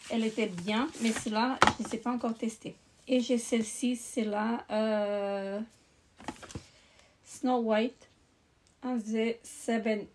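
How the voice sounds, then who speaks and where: A woman's voice: fairly high pitch, noisy background. A woman beauty vlogger chatting casually while showing her makeup, with lots of hesitations and restarts. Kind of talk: casual chat.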